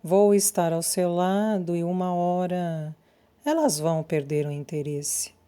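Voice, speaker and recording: Mulher lendo Thomas, homem calmo e protetor. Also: female voice, lowish voice, unhurried, clear, resonant tone, natural voice. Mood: reassuring. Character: steady, protective adult man comforting a friend. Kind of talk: audiobook character reading.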